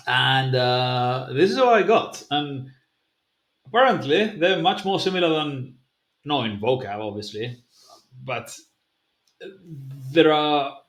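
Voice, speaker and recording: Male vlogger, loose musing delivery, mid pitch, echoey room. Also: a bit bright. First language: Basque. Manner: conversational, musing, loose explanations. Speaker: language-learning vlogger. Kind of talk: casual vlog, thinking aloud to camera. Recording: roomy echoing room.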